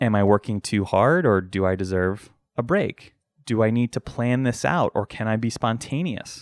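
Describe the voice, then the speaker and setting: A man with a normal speaking voice and an American accent talks at a medium pitch and a moderate pace with ordinary pitch variation, the sound dry and close with no echo on a very clean recording with a silent background. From Pennsylvania. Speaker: podcast host. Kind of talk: solo podcast talk. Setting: home apartment.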